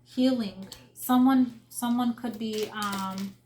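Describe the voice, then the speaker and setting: A woman's voice: fairly high pitch, steady tone, takes it slowly, darkish tone, reverberant, a little hiss or hum. A young adult woman giving a casual spoken tarot reading, earnest and emotional, with many fillers and restarts. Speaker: tarot reader.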